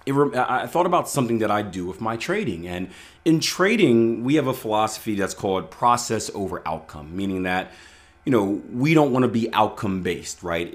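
A man with a raspy, hoarse voice hosting his own unscripted podcast, talking casually with fillers and restarts. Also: low voice. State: hoarse from yelling. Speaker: podcast host, trading coach. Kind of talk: unscripted solo podcast talk.

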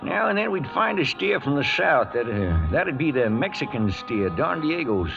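An actor playing a crusty, loyal old cowhand in a radio western, with a folksy American Western drawl and mumbling, toothless speech. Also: male voice, medium pitch, big pitch swings, moderate pace, vocal fry. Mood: folksy reminiscing. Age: older. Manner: folksy, rustic, cantankerous. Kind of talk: 1940s radio western acting. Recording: dull vintage radio recording, faint music.

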